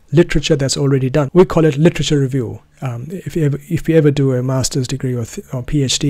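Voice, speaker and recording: A man whose first language is Urdu gives an earnest, deliberate solo talk about his method of study, often restarting phrases to stress a point. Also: fairly high pitch, warm tone, dry recording, studio quality. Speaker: Quran student presenting his method.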